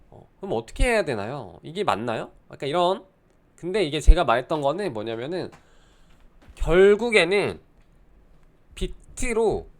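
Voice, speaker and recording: 말이 많고 억양이 큰 남자 코인 해설자. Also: male voice, a little high. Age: young adult. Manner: hesitant, many fillers, explanatory. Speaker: crypto market commentator. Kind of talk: casual solo market commentary.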